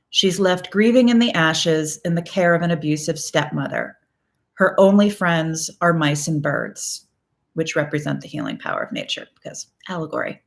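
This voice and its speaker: A woman psychologist delivering a scripted educational talk in a wry, emphatic manner with deliberate phrasing. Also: fairly low pitch. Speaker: psychologist host.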